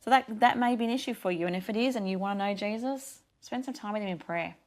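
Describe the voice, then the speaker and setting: A woman's voice: mid-range voice, quick pace. A tired woman presenting on Christian radio, losing her voice and speaking earnestly with frequent restarts. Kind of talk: casual devotional radio talk.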